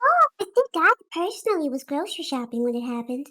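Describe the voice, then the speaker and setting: This is a squeaky, put-on character voice at an extremely high pitch. It races along very fast with very wide pitch swings. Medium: actual play. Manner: curt, sarcastic.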